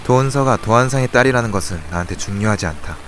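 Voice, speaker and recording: A man's voice: medium pitch, fast, a bit bright, natural voice. A young man acting a brooding, cold and curt narrator in a Korean audio drama. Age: young adult. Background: music.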